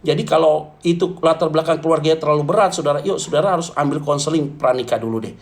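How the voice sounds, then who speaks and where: A man preaching to a congregation as pastor, animated and jokey, often turning to address his listeners directly. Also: fairly high pitch, quick pace. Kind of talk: lively humorous sermon.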